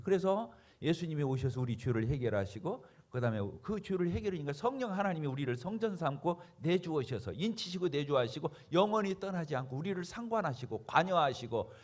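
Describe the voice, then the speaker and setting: A pastor with a fairly high-pitched voice preaches a sermon emphatically, filling it with rhetorical questions aimed at the congregation.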